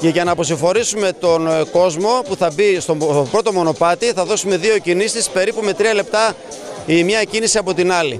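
Music plays behind a man speaking at a high pitch with ordinary pitch variation, the sound dry with no echo. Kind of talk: interview answer. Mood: upbeat, proud. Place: forest. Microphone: handheld.

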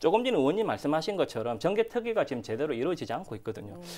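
This man talks very fast, his pitch fairly high for a man and swinging very widely. Vocal fry runs through his voice, with light background noise behind it. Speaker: party spokesperson. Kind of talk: political talk show discussion. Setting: studio. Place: studio. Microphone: lapel.

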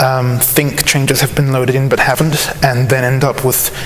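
Light background noise is present. A man talks at a moderate pace. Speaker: conference presenter. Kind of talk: technical talk. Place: hall. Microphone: lapel.

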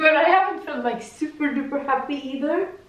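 There is audible room echo as a woman talks at a moderate pace. Her high pitch varies in an ordinary way. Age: 20s. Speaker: YouTuber. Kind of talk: casual vlog monologue. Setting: at home doing yoga on camera. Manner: rambling; laughs often. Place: home room. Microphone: camera far.

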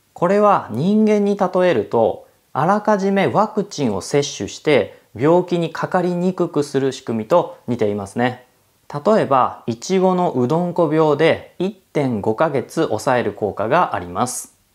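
A man's fairly high voice with very wide pitch swings, at a fairly slow pace against a quiet background. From Japan, Nagano; Japan. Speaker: gardening YouTuber, agricultural consultant; gardening YouTuber. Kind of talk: tutorial. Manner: clear, explanatory. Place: home room. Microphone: lapel.

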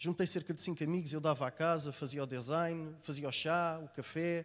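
A man talks with a fairly high pitch. His intonation stays fairly even. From Macau. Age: 30s. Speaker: tech entrepreneur, public speaker; public speaker. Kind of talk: short stage talk. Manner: fast. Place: stage. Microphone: handheld.

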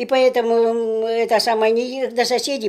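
A woman speaking at a fairly slow pace. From Rostov region, Russia. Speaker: war witness; witness. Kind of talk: testimony. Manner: halting. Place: home room.

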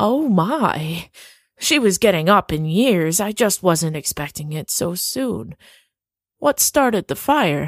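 A put-on character voice at a middle pitch and fairly slow pace, in a very clean recording with a silent background. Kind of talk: 1920s noir audio drama. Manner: genteel, coolly menacing.

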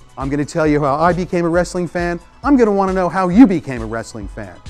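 Upbeat delivery from a man with an American accent at a moderate pace, faint music in the background. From United States. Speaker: wrestling ring announcer. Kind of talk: event promo to fans. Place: studio.

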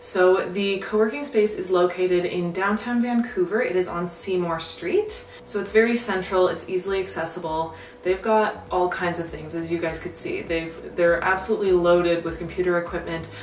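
A woman talks at a moderate pace with fairly even intonation. Audible room echo and light background noise are present. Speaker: content creator. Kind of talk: casual vlog chat. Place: home room.

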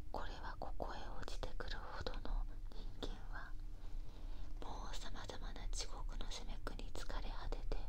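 This woman talks at a fairly slow pace. Her pauses are long and frequent. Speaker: ASMR reader, female pro gamer. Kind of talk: whispered ASMR story reading. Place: home room. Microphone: studio mic.

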